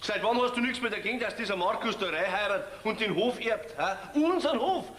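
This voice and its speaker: A stubborn Bavarian farmer. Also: male voice, sits high, lively intonation, brisk, fairly bright tone, slight background noise. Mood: grumbling. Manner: grumbling, mocking. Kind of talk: stage folk comedy. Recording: roomy stage sound with reverb.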